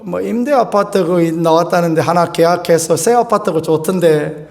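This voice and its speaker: A pastor in his fifties preaches with a high, light voice. He tells a homely personal story in a folksy, animated way, chuckling as he goes. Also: moderate pace, vocal fry.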